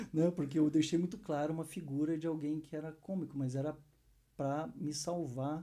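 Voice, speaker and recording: A man speaks with a dark, mellow tone at a fairly high pitch. His intonation stays fairly even and his pace is moderate. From southern Brazil, Paraná. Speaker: psychologist. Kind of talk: podcast interview.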